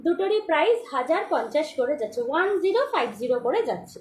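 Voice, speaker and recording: A hoarse woman hosting a live-stream jewellery sale, repeating prices and often checking that viewers follow. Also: sits high, very animated, fast, a little mellow, reverberant. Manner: repetitive, keeps asking for confirmation. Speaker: jewellery seller. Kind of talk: live-stream sales pitch.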